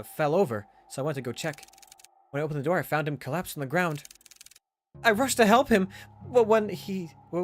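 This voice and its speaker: A man voicing an anxious, earnest young woman who speaks haltingly and pleads for help in a visual novel. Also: on the high side, pitched above the performer's own voice, natural voice. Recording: music behind the voice.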